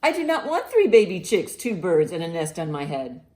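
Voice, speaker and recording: A woman voicing a fretful, excitable picture-book elephant, exclaiming emphatically. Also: fairly low pitch, moderate pace, a little hiss or hum. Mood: exasperated. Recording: roomy, echoing sound.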